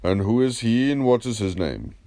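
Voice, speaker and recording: A man's voice: mid-range voice, expressive, dark tone, lightly acted. A man voicing a wise, courteous philosopher who questions patiently and methodically in an audiobook dialogue. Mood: methodical reasoning. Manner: measured, polite, methodical questioning.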